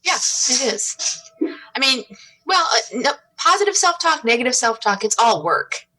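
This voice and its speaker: A woman's voice: high-pitched, big pitch swings, measured pace, pushed and bright, rough recording. A woman co-hosting a podcast, speaking reflectively and hedging her points, often restarting with "I mean". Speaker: podcast co-host. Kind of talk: casual podcast conversation.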